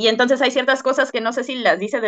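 The speaker is a woman. Her pace is fairly quick. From Mexico City. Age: 30s. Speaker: scientist. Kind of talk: interview.

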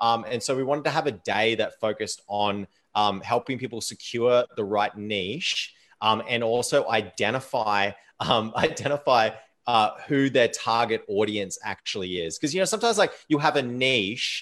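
A man at medium pitch with ordinary pitch variation and a moderate pace. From Australia. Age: 30s. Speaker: online business coach. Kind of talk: interview.

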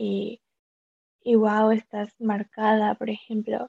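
At a very slow pace, a woman with a fairly high pitch and a dark, mellow tone speaks in a flat monotone, the sound dry and close with no echo. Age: 20s. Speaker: nutrition student sharing eating disorder recovery. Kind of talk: testimony.

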